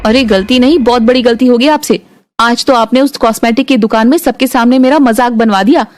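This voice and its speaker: A woman's voice: fairly high pitch, a little fast, darkish tone, slight background noise, pitched below the performer's own voice, lightly acted. Cartoon role: woman voicing a snobbish rich girl, scolding, with English slipped in. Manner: haughty, scolding, mixes English. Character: rich, snobbish young sister-in-law. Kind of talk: cartoon voice acting.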